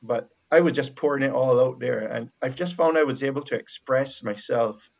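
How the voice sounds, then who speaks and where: A man from Barbados with a Bajan accent, speaking as a missionary guest in a casual faith conversation, reflective and halting with many restarts. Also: mid-range voice, gravelly, muffled recording.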